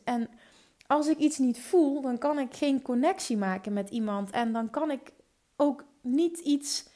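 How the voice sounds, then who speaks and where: A young woman from Limburg in the Netherlands hosts a solo podcast, speaking with a Limburg Dutch accent in a high, bright register. She is energetic and enthusiastic, talking fast and often tripping over her words and restarting.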